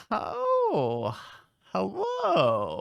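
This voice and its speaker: A man uses a put-on character voice and stays soft-spoken. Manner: cheerful, delighted greeting.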